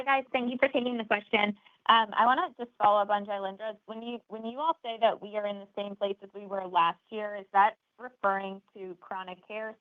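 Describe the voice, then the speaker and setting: A woman working as a financial analyst, putting questions to executives on an earnings call. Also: medium pitch. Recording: thin, phone-like conference call line.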